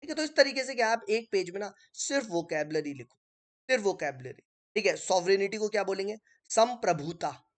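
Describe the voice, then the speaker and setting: A man's voice: high voice, expressive, brisk. A male teacher talks through an online exam-prep lesson in a chatty, conversational way. He explains each point step by step and keeps checking in with his listeners. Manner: explains step by step while writing on screen.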